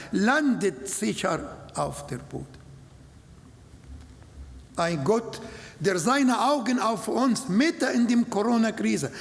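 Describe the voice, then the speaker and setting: A man whose first language is Arabic, preaching a sermon in slow, halting German with non-native grammar. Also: sits high. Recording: long hall reverb.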